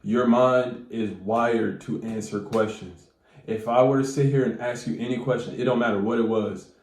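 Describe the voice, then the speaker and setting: A man's voice: mid-range voice, steady tone, normal speed, darkish tone, reverberant. A man with a stuffy nose giving casual, slangy, profane advice straight to his viewers. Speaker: manifestation coach.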